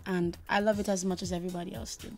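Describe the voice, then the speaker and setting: A woman's voice: fairly low pitch, steady tone, very fast, gravelly, faint music behind. A young woman from Trinidad and Tobago, a singer answering interview questions confidently, often saying "you know". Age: young adult.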